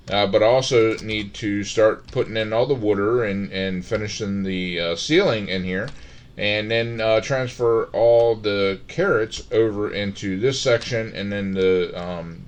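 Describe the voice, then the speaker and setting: A middle-aged man talks through his game in a relaxed, meandering way. His voice sits a little low, and he trails off into fillers and restarts as he thinks aloud. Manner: rambling, halting, many fillers and restarts. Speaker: Minecraft let's-play host. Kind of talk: casual gameplay commentary.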